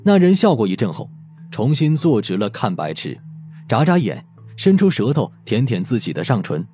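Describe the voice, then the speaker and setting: A man narrating a mystery audiobook in an expressive storytelling manner. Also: medium pitch, normal speed, faint music behind.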